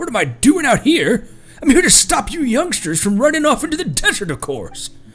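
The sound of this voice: A man uses a put-on character voice at an extremely high pitch, with very wide pitch swings. He speaks at a fairly quick pace over clear music in the background.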